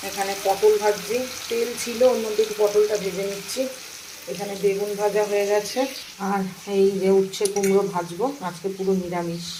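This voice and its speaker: A woman's voice: mid-range voice, level tone, brisk, noisy background. A woman in her thirties chatting casually to viewers as she goes about her day at home and cooks. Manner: chatty, talks straight to viewers in a homely way. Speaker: vlogger and mother. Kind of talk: casual daily-life vlog narration. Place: home kitchen and rooms, indoors.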